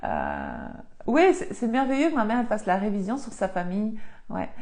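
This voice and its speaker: A woman's voice: mid-range voice, huge pitch swings, normal speed, darkish tone. A woman, chatting on a live stream from her home office and answering viewer comments as a spiritual coach. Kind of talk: casual live-stream chat.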